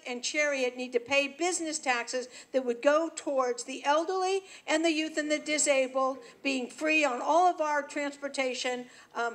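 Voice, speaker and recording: Woman, high voice, trial lawyer, debate answer, brisk and earnest. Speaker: mayoral candidate, civil rights trial lawyer.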